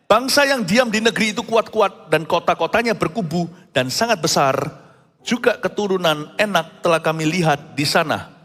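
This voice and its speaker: A male pastor preaches with a husky, rather high voice that leaps up and down as he acts out every quote. His words ring through a big hall with a long echo, and soft music plays beneath him. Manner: animated preaching, acts out God's voice in quotes, mixes in English phrases. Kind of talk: sermon. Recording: music under voice, long church reverb.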